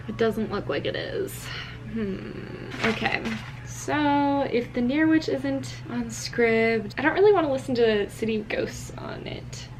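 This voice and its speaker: With music in the background and audible room echo, a woman speaks at a fairly slow pace. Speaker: book vlogger. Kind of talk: casual vlog.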